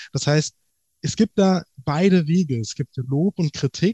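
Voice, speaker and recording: The sound is dry and close with no echo as a man talks at a high pitch with ordinary pitch variation. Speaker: political scientist. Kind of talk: panel discussion. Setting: video call.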